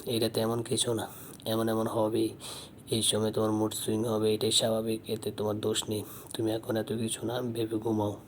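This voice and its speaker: A man's voice: fairly low pitch, completely flat delivery, moderate pace, slight background noise, lightly acted. A man voicing a doting, romantic young husband in a storybook audio drama. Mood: soothing. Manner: soothing, affectionate.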